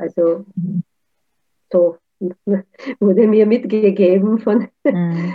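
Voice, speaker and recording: Very slow with long, frequent pauses, a woman speaks at medium pitch with ordinary variation. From Romania, Hungarian-speaking region. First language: Hungarian (speaking German). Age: 50s. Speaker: yoga teacher. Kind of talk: interview. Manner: hesitant, many fillers.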